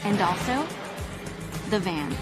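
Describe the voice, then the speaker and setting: Female host for a sentimental comedy tribute voice-over, mid-range pitch, music underneath. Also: lively intonation, slow pace. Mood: sentimental, wry. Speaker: host narrating a clip montage. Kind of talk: scripted sentimental tribute narration with dry jokes. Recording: music behind the voice.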